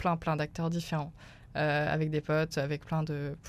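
A woman speaks in a very deep, low pitch. The background is quiet. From France, Vosges (Remiremont). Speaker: founder and director of a non-profit. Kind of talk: radio interview. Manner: animated.

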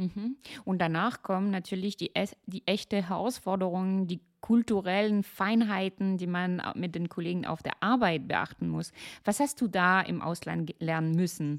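A woman with a French accent is heard in a dry, close sound with no echo on a very clean recording with a silent background. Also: medium pitch for a woman, ordinary pitch variation, moderate pace. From France. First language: French (speaking German). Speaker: podcast host, journalist. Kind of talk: interview.

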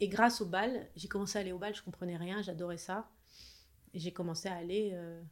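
Flat, monotone intonation runs through a woman's speech. Her medium pitch holds at a moderate pace. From abroad (Poland, Morocco) as French expatriate child. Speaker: tango dancer and teacher. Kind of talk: interview conversation.

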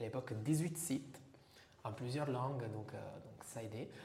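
In a room with audible echo, a man of medium pitch talks at a moderate pace, somewhat breathy, with fairly even intonation. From Italy. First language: Italian (speaking French). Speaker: SEO specialist. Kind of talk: podcast interview.

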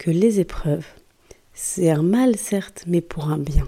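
A woman's fairly low, dark, mellow voice at a very slow pace. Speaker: podcaster on morning routine and motivation. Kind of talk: solo motivational talk. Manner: hesitant with many fillers.

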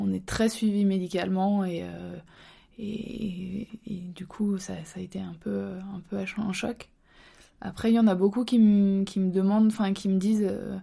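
A woman's dark, mellow, somewhat breathy voice at medium pitch, monotone and flat in intonation, with big swings in loudness. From French Alps, Savoie. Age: 20s. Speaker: alpine ski racer. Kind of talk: casual interview. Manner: calm, composed; hesitant, many fillers.

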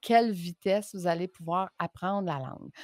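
A woman speaks in a Quebec accent. The very clean recording has a silent background and a dry, close sound with no echo. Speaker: podcast host, business coach. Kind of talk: casual podcast talk. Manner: hesitant, many fillers.

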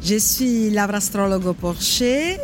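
A woman speaks at a very slow pace with an Italian accent. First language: Italian (speaking French). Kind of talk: interview at a trade fair.

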